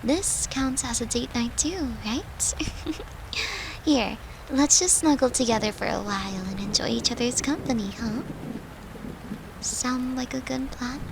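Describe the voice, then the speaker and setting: Tender, slow-talking devoted girlfriend, acted by a woman. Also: a little high, noisy background. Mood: tender, soothing. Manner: tender, soothing, coaxing, slipping into breathy murmurs. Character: devoted human girlfriend, tender, playful, fiercely protective occultist. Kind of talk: intimate comfort audio roleplay.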